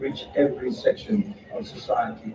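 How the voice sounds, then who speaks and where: A man speaks with a slight Australian accent. Noticeable background noise is present. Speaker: development practitioner, conference speaker. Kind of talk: conference keynote speech. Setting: conference podium with audience.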